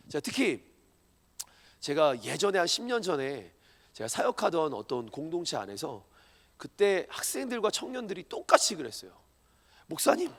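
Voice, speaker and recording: A male pastor preaching a sermon to young adults in a church hall, swinging from loud emphatic lines to hushed ones. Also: on the high side. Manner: animated, swings from shouting to hushed.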